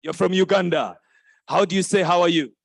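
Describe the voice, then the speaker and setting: A man's voice: sits high, brisk, gravelly, dry recording, clean studio sound. A man hosting a live youth event, playfully teaching the crowd greetings and repeating phrases back to them. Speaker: event host. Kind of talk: lively crowd interaction. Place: conference hall stage.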